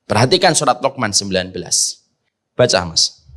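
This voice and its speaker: A man preaching a sermon in an animated way, asking rhetorical questions and swinging between loud emphasis and soft asides. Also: on the low side, moderate pace. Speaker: Islamic preacher.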